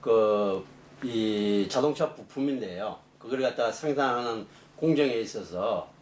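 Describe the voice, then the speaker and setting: A middle-aged man, a professor being interviewed, explaining technical matters off the cuff in a halting way. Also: fairly low pitch, darkish tone. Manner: halting, explanatory, rephrasing as he goes. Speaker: engineering professor, interview guest. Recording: echoey room, distant mic, faint noise.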